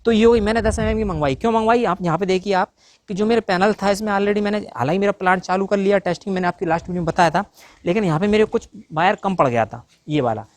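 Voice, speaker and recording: Fast-talking man explaining solar wiring. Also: sits high, no room sound. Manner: rapid, talks to viewers directly, frequent fillers. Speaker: YouTube tutor on solar installation.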